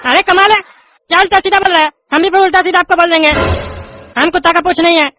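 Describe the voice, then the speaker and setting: Brief: woman doing a bright-voiced, quarrelsome bald male student, flavour, in a comedy skit. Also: extremely high pitch, steady tone, fast talker, faint music behind. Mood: argumentative. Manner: argumentative, stumbling through reading. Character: cheeky bald male student who argues back.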